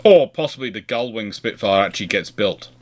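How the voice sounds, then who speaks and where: A man's voice: lowish voice, lively intonation, a little fast. A British man hosting a history question and answer chat, rambling and rephrasing as he thinks aloud. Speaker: host of a naval history question and answer show. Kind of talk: casual rambling explanatory chat.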